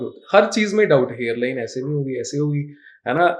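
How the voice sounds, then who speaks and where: A man with a slight Punjabi accent talks at a fairly high pitch. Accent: Punjabi touch in Hindi. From Punjab, India (Patiala). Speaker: hair transplant patient, comedy video creator. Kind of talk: casual interview testimony.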